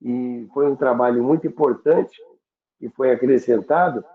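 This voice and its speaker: A Brazilian man explaining things in unscripted talk, didactic and halting, often repeating and rephrasing his points. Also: mid-range voice. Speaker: radio history commentator and guest. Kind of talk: unscripted explanatory talk recalling broadcasting history. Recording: echoey, narrow phone-like call sound.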